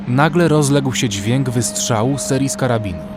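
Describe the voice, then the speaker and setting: A man's voice: mid-range voice, normal speed. A man narrating a horror story in the first person, scripted and dramatic. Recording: music behind the voice.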